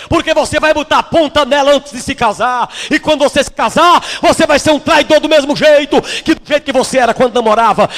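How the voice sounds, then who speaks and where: A man from Brazil, a bishop delivering an impassioned, scolding sermon that breaks into shouts. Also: extremely high pitch. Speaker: bishop preaching. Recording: long hall reverb.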